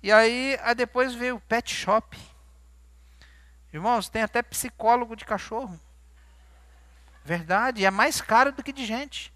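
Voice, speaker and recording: A man's voice: very high voice, unhurried, pauses often, pushed and bright, no room sound. A man with a Brazilian Portuguese accent preaching a sermon in a church, talking conversationally and asking his congregation questions. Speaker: pastor.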